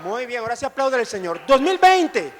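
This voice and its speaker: Male pastor, very high voice, call-and-response sermon, long church reverb. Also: sing-song, moderate pace, a little hiss or hum. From Colombia. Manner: call-and-response, urging the congregation to repeat phrases. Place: large church hall.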